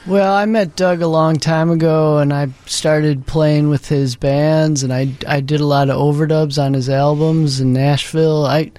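A man in a radio studio, talking casually and at length, with many pauses and ums. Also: a little high, dry recording. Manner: relaxed, rambling, many ums. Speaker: music professor and multi-instrumentalist. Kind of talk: casual radio interview talk.

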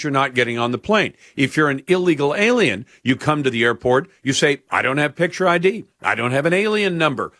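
A man's voice: fairly high pitch, fairly bright tone, no echo, studio quality. A man hosting a talk radio show, holding forth with emphasis and acting out quoted exchanges. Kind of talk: opinionated radio monologue and call-in.

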